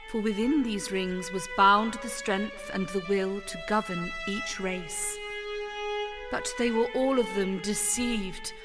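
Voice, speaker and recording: Ominous fantasy saga narrator, performed by a woman, grave, measured, mid-pitched, over music. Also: lightly acted.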